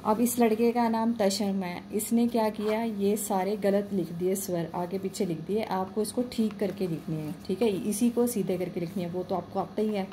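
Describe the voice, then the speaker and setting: A woman's voice: mid-range voice, fairly even intonation, normal speed, hardly any pauses, warm tone, slight background noise. A woman teacher patiently explaining a school lesson to young children, often asking them questions and repeating herself. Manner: patient, repeats "ठीक है" and asks the class questions.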